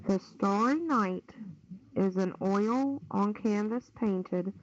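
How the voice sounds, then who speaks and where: A woman's voice: mid-range voice, slow, no echo. A woman hosting a casual trivia game over online voice chat, reading out questions and answers. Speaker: quiz host. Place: online push-to-talk voice chat. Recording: dull lo-fi voice-chat audio, noisy, clicks.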